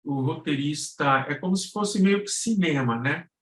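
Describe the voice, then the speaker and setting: Higher-voiced man in an echoey room. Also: normal speed, a bit bright. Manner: explanatory, checks in with frequent tag questions. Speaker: guest instructor. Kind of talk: informal live lesson on podcast production. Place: indoor room on an online live stream. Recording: roomy, echoing live-stream audio.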